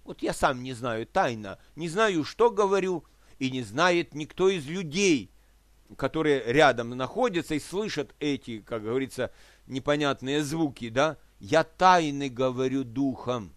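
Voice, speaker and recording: This sermon comes from a man with a mid-range, lively voice who speaks a little slowly, with no echo on the recording. Explaining scripture through worked examples, he poses rhetorical questions, makes sure the congregation keeps up, and seeks their agreement.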